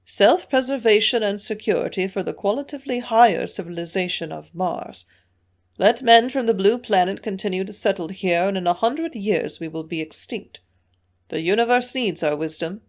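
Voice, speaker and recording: A frail, ancient Martian elder, read by a woman, speaks in a high, quavering voice. He stays calm and earnest, gently persuading his listeners toward a cold decision. An audiobook reading. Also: moderate pace, close to an everyday voice. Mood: calmly persuasive. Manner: soft-spoken, coolly persuasive.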